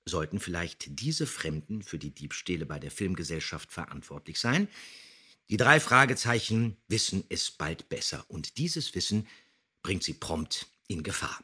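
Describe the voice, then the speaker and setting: A man's voice: sits low, expressive, normal speed, bright, forceful tone, slightly rough. A man co-hosting a podcast, chatting casually and reading out with expression. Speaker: podcast co-host.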